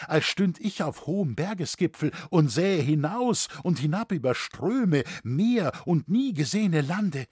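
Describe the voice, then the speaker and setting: A man's voice: a little high, breathy edge, no room sound, studio quality. A man reading an audiobook, voicing an innocent young noble daughter who pleads earnestly.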